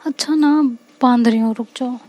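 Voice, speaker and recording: A woman voicing a teasing young woman friend who talks in a hurried, flustered way. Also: fairly high pitch, dark tone, natural voice.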